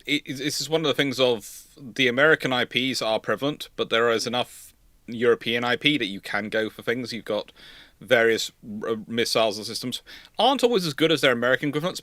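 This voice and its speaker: The host of this naval history livestream, a man with a mid-range, sharp voice, speaks with no echo. He keeps the history talk casual and analytical, rambling a bit and rephrasing himself often.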